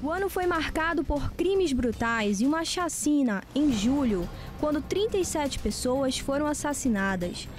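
A woman with a Brazilian accent reading a formal TV news voice-over in a measured way. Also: sits high, expressive. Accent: Brazilian Portuguese. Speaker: news reporter. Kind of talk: scripted news report. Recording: TV news report with music bed.

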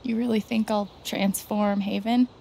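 Creaky-voiced, unsure young woman. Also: medium pitch, steady tone, a little slow, dark tone, slight background noise. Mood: hesitant, touched. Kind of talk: video game drama.

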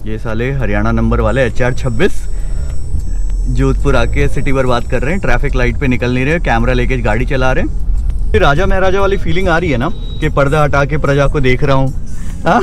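A man's voice: medium pitch, a little fast, soft background music. A man in his thirties vlogging casually while driving on a road trip, chatting and joking and mixing English into his Hindi. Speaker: travel vlogger. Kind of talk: casual vlog narration. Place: inside a car on a road trip, then city streets. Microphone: camera mic. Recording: car and street noise behind.

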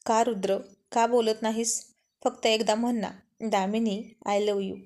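A defiant, headstrong young woman argues her case with teasing stubbornness, as a woman storyteller reads her part. Her voice sits a little high. It is an audio love story told in one reader's voice. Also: steady tone, unhurried, a little mellow. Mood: pleading.

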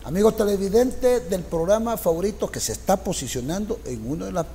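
Older male co-host, slightly high voice, effusive and flattering, reverberant studio. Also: fairly quick, a little hiss or hum. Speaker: TV interview co-host. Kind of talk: political TV interview.

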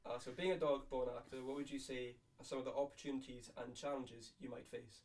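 A young man asks interview questions in a slightly hesitant way, stumbling now and then. His voice, ordinary in pitch, comes from away from the microphone, so it sounds distant. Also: fairly even intonation, fairly quick, darkish tone. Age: young adult. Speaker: student interviewer.

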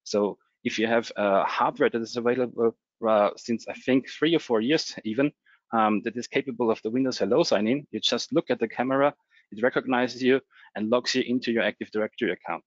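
Male presenter, mid pitch, relaxed filler-heavy delivery, dry muffled online-call sound. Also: brisk, dry recording. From Austria. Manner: relaxed, many fillers and restarts. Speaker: webinar presenter. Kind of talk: technical presentation.

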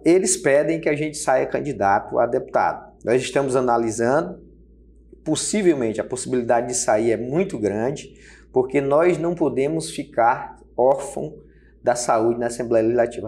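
Gravelly-voiced union leader making his case. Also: medium pitch, a little mellow. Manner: emphatic, gestures broadly while speaking. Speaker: health workers' union leader. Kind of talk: interview answers. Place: small studio set with table. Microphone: lapel mic.

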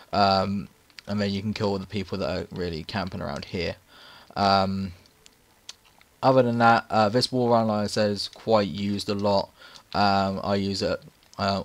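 Raspy hoarse guy talking thru game tips, kinda low voice, lots of ums. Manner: casual, rambling, many ums and uhs. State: hoarse from repeated takes. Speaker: gaming channel host. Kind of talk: gameplay tips commentary.

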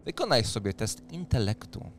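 A man's voice: lowish voice, very animated, normal speed, slight background noise. A man, narrating a tabletop fantasy game as game master on a close microphone. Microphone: close microphone on an arm, headset.

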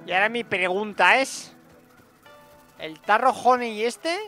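A young man giving excitable let's-play commentary and talking to his viewers. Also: sits high, unhurried, soft background music. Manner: excitable, talks to viewers as "gente". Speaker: gaming streamer.

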